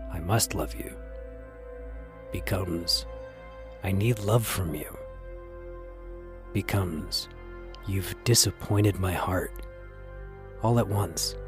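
A man reading scripted podcast narration in a reflective, wry, measured way, like a storyteller. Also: low-pitched. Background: music.

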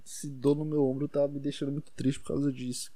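A young man with a Brazilian accent talks in a loose, rambling monologue, full of swearing and self-deprecating asides. His voice is soft and warm rather than bright. It sounds dry and close, with no room around it. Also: mid-range voice, little pitch movement, fairly quick, no echo. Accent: Brazilian Portuguese.

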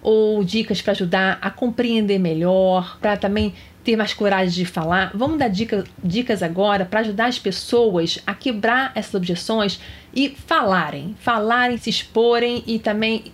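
A woman's voice: medium pitch, normal speed. A woman hosting a podcast interview, summing up points and asking her guest questions. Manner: guiding, sums up and asks questions. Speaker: podcast host, teacher.

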